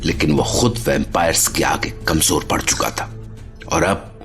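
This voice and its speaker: A man's voice: extremely low pitch, normal speed, fairly bright tone, faint music behind. A man narrating a horror audio drama as a grave, dramatic storyteller.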